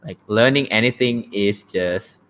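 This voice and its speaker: A young Thai man hosts a casual language-learning livestream in a Thai accent, blunt, joking and often asking "right?". His voice is fairly low and fairly bright, unhurried, on a rough recording with a little hiss or hum.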